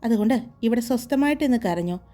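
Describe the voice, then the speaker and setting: A woman's voice: a little high, expressive, fast, mellow, soft background music, natural voice. Woman doing a wry, mocking young man.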